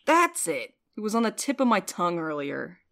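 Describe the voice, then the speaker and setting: A woman's voice: on the low side, very animated, normal speed, a bit bright. A woman playing a jaded, sleep-deprived young courier with a dry, sarcastic way of talking in a fiction podcast. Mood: wry, weary. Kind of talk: audio fiction podcast acting.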